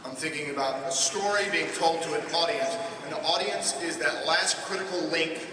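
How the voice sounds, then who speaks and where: A man's voice: on the high side, moderate pace. A man on a convention panel speaking thoughtfully, searching for his words. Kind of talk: reflective panel talk. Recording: echoey hall from far off, noise.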